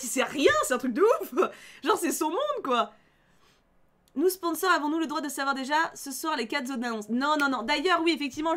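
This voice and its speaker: A young woman streamer giving casual game commentary in an animated, teasing, chatty way. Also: sits high. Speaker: let's player and streamer.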